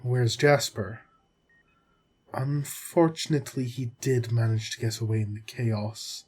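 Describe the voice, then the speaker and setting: A man acting as a caring, exasperated centuries-old doctor in an audio roleplay, with a husky voice and measured bedside manner. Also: medium pitch, darkish tone. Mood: grave, measured. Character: long-lived vampire doctor, male, caring yet exasperated. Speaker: voice actor. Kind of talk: audio roleplay drama, spoken to the listener.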